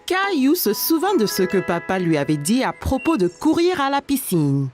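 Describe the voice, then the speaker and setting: A woman narrating a children's cartoon like a scripted storybook, with expressive, clear storytelling. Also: fairly high pitch, moderate pace, soft background music.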